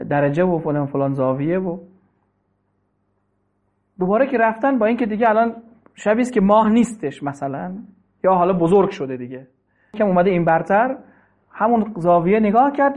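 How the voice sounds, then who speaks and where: A man giving a sermon on classical poetry, telling stories in an animated way and reciting verses slowly. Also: high-pitched. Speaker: preacher teaching Rumi's Masnavi. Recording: tinny phone-like sound.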